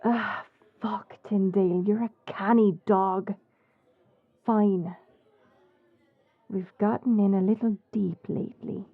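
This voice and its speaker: A woman as a slow-talking roguish pirate smuggler, phone-like sound. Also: medium pitch, steady tone, dry recording. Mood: cagey, blunt. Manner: unhurried, blunt, wry. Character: brash, crafty female pirate smuggler, wry and roguish. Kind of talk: swashbuckling audio roleplay acting.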